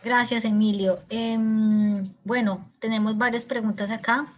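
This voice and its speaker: A woman hosts the interview, passing along brief questions in a friendly way. Her voice sits a little high, and the audio comes through dull and lo-fi. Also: fairly even intonation, a little slow. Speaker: interview host.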